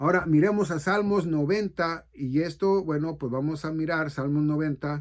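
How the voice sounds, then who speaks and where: The speaker is a man with ordinary pitch variation. He talks at a moderate pace. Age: 60s. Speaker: bible teacher. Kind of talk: bible study talk. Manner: halting, with fillers and self-corrections.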